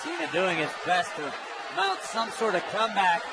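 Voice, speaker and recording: A man's voice: high voice, sing-song, moderate pace. A man giving emphatic, opinionated live commentary on a wrestling match as an analyst. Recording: loud arena crowd and noise behind. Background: roaring arena crowd.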